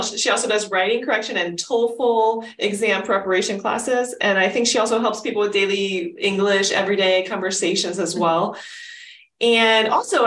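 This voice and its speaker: A woman's voice: on the high side, fairly bright tone, reverberant. A woman hosting a podcast interview, encouraging her guest with frequent "uh-huh"s and "mm-hmm"s. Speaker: podcast host.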